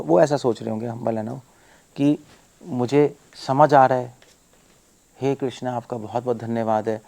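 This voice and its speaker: This is a man delivering a devotional lecture as a monk. His voice sits at an everyday middle pitch. He drives his points home emphatically, asks his listeners rhetorical questions and slips English words into his speech. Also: creaky, darkish tone.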